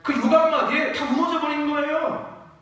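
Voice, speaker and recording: A man preaching a sermon in a church, animated, often rising to shouts and calling for amens. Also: very high-pitched, moderate pace. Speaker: pastor. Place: church sanctuary. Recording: echoey church hall from far off.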